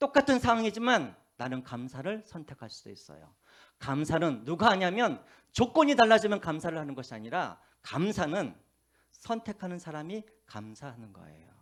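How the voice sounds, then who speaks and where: In a very clean recording with a silent background, a man with a high voice speaks at a moderate pace, his pitch swinging very widely and his loudness changing a great deal. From South Korea, Gwangju (Jeolla). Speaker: pastor. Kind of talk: sermon. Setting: church.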